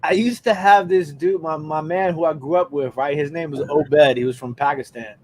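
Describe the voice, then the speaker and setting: A man's voice: fairly high pitch, fairly even intonation, moderate pace, dry recording. A man telling rambling stories in a casual group chat. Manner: rambling storyteller, laughs a lot.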